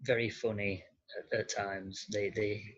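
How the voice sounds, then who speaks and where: A man answering casually as an interview guest, halting and searching for words. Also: fairly low pitch, level tone. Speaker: podcast guest, care worker. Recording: slightly dull, lo-fi sound.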